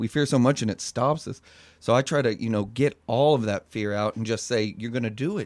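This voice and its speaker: An unremarkable speaking voice with an American accent moves at a moderate pace. The recording is very clean, with a silent background. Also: man, dry, close sound with no echo. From Madison County, US Midwest. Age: 30s. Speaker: strongman athlete. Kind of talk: interview.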